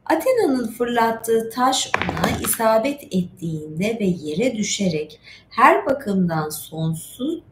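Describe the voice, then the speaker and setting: A middle-aged woman hosting an informal storytelling stream, reading and retelling myths in a chatty, digressive way with asides. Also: mid-range voice. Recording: echoey room with faint background noise.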